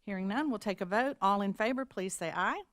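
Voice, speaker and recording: A woman chairing a school board meeting, brisk and procedural, reading motions and calling votes. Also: medium pitch, a bit bright, dry recording, studio quality.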